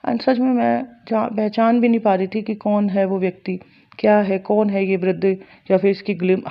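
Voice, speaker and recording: A woman's voice: mid-range voice, creaky, dull audio. A woman earnestly recounting a personal spiritual experience to her viewers, repeating phrases as she relives it. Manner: earnest, repetitive, intense retelling. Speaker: spiritual storyteller. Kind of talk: personal story told to viewers.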